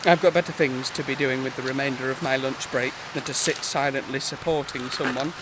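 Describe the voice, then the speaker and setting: A man's voice: medium pitch, steady tone, a little fast, close to an everyday voice. An actor playing a prissy, melodramatic married gay man with pompous, arch phrasing in an audio comedy. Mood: huffy. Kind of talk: comedy audio drama dialogue. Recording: clearly noisy, rain-like background.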